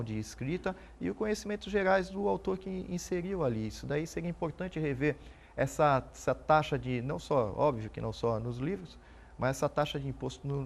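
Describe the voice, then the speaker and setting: A Brazilian man in his forties, a police officer and writer, answering interview questions in an earnest, halting way. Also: medium pitch, lively intonation, vocal fry, slight background noise. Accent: Brazilian Portuguese. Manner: earnest, halting, repeats words while thinking.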